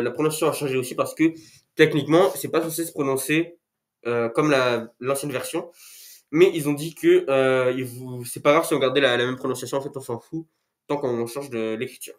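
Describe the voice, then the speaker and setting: A man with a cold making a casual YouTube video, rambling with self-mocking jokes as he talks to camera indoors. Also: medium pitch. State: has a cold, sniffly. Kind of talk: casual talking-head video. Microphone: camera mic.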